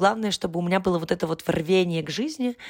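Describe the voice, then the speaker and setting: In a very clean recording with a silent background, a woman speaks at a fairly low pitch with ordinary pitch variation. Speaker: obstetrician-gynecologist and podcast host. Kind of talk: recorded monologue answering questions. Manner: loud.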